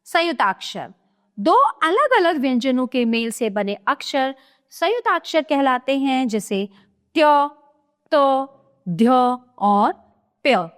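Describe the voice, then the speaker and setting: A woman teaches a grammar lesson at an unhurried, deliberate pace. Her voice sits a little high, and she spells out each example one at a time, pausing now and then to check that the listener is following. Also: sing-song, fairly bright tone. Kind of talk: explaining a Hindi grammar lesson.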